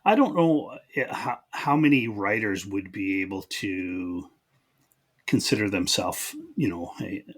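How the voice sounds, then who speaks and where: Husky, lowish-voiced man hosting a podcast. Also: a little slow. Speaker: podcast host, interviewer. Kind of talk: casual interview chat.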